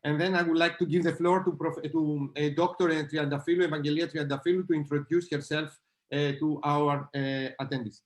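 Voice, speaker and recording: A man moderating an online panel discussion, halting and hesitant with many filler sounds. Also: on the high side, steady tone, echoey room. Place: video call.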